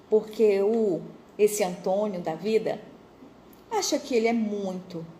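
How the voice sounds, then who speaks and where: Mellow-voiced Brazilian woman telling a faith story. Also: mid-range voice, a little hiss or hum, rough recording. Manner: conversational, addresses listeners directly. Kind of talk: religious storytelling.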